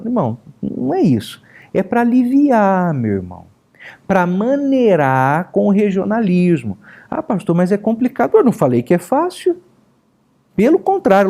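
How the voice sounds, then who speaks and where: A man from São Paulo state, Brazil, with a countryside São Paulo accent, teaching a lesson on preaching as a pastor in a lively, emphatic way. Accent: São Paulo countryside Brazilian Portuguese. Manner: lively and emphatic, with sudden pitch jumps. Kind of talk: recorded lesson.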